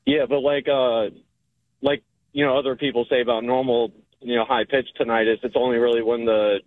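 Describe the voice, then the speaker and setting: A man calling into a radio show, calmly explaining with fillers. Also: medium pitch, a little fast, dry recording. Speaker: caller. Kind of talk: phone call-in. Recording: tinny phone line.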